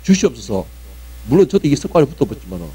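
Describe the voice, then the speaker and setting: A male pastor preaching a sermon with great emphasis, swinging between loud cries and low murmurs and acting out prayers dramatically. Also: huge pitch swings, fairly quick, breathy edge. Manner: acts out prayers and quoted voices dramatically. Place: church sanctuary.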